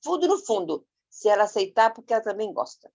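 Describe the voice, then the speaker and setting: The delivery comes at a moderate pace. Its intonation is lively. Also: woman. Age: 60s. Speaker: church group participant. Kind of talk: testimony. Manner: halting.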